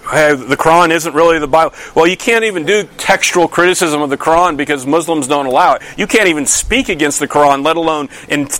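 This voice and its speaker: A man's voice: on the high side, a bit bright. A male pastor delivering a conversational sermon, asking his listeners many questions and often restarting his sentences. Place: church.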